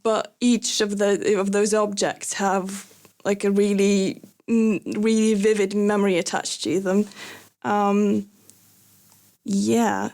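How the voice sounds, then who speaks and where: A young adult woman whose first language is Lithuanian, telling a personal story as a podcast guest, hesitant with many fillers and soft laughs. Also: mid-range voice, little pitch movement, slow pace. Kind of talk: casual conversational storytelling.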